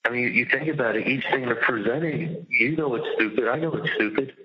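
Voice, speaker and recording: On a recorded jail phone call, a man vents casually and profanely, sounding agitated and emphatic and often repeating himself. His voice is medium-pitched and a little fast. The telephone audio is dull and lo-fi.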